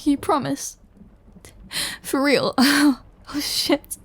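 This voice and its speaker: A woman playing a lonely, tender immortal vampire lover in an intimate audio roleplay, her voice breathy and often half-whispered, with an emotional delivery. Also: high voice, fairly even intonation, exaggerated voice. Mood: tearful relief. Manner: slow, hushed, emotional delivery with long pauses.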